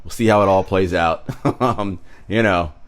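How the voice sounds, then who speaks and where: A deep-voiced man co-hosting a sports podcast in relaxed, conversational chat. He breaks in often with affirming murmurs and light laughs. It sounds like a remote virtual recording. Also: a little slow. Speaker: sports podcast co-host and Nets reporter. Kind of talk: casual sports talk.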